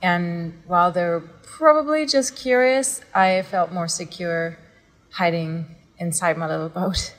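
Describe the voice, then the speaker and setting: Woman, calm voice-over narration, reflective, lowish voice. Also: slow pace, over music. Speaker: vlogger narrating.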